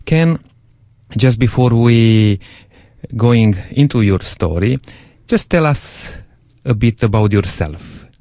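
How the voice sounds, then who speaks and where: A male radio host introducing a Christian program, speaking in a slow, measured and encouraging way with frequent pauses. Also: mid-range voice, lively intonation, warm tone, dry recording, studio quality.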